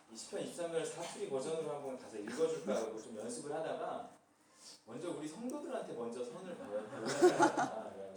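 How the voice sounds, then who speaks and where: Male pastor, casual sermon, lively pitch, echoey sanctuary from far off. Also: a little hiss or hum. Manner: casual, chatty, chuckling asides. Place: church sanctuary. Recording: echoey church hall from far off.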